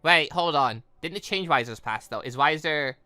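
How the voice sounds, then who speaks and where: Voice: mid-range voice, moderate pace, pushed and bright, dry recording. A gaming YouTuber doing rambling, thinking-aloud playthrough commentary on a visual novel, reading its dialogue out. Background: game music.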